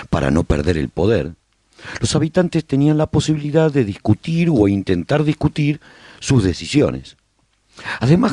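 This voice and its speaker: A man playing a survivor who calmly narrates life in a post-apocalyptic colony for a radio drama, reflective and husky, with pauses. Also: lowish voice, no room sound, clean studio sound, heavily acted. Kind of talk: scripted first-person radio drama narration.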